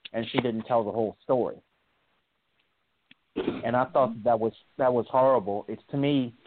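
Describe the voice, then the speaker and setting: A man calling in to a radio talk show over the phone, telling his story in a hesitant, rambling way. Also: medium pitch. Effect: heard over a phone line. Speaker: caller. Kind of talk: call-in radio chat. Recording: tinny phone line.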